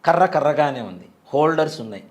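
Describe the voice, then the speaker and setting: A man in his forties tells a story from his own life at a quick clip, earnest and full of vivid detail. His voice sits a little higher than most men's, and he speaks as a temple priest in a relaxed interview. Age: 40s. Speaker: temple priest and devotional guest.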